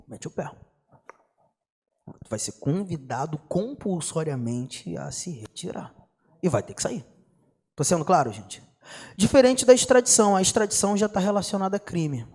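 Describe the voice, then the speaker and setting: High-pitched, animated Brazilian man lecturing. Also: slightly rough. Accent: Brazilian Portuguese. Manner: slangy, animated, asks students rhetorical questions. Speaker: law teacher. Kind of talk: exam-prep lecture.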